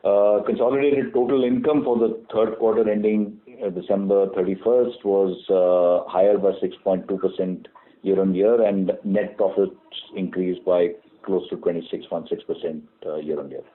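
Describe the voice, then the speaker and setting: Over a narrow, muffled phone line, a man presents company results. He is formal and measured in wording, but halting, often filling gaps with uh as he reports. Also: sits low, fairly even intonation. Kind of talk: prepared business report on a conference call. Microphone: telephone conference call.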